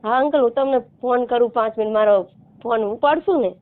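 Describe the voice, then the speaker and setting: A woman in her thirties from Gujarat with a Gujarati accent, explaining haltingly and repetitively as a caller seeking help. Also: on the high side. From Gujarat, India. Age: 30s. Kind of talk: casual phone conversation. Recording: narrow, muffled phone-call line.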